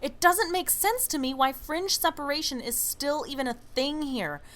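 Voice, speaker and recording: A woman's voice: high voice, animated, normal speed, a bit bright. A woman playing an outspoken, impatient young monster investigator, blunt and emphatic, in an audio drama. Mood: indignant. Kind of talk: naturalistic audio drama dialogue.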